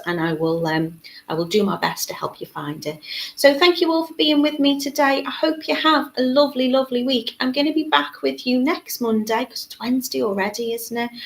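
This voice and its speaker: A woman's voice: medium pitch, low-quality recording. A woman hosting a live beading tutorial in a chatty way. She reads out viewer comments and uses many fillers. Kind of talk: live-stream tutorial chat.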